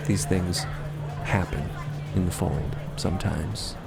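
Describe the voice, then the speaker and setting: A man's voice: deep voice, fairly even intonation, slow, gravelly, a loud crowd. A man narrating a scripted audio drama with a wry, conversational storytelling manner. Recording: loud music behind the voice. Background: loud music.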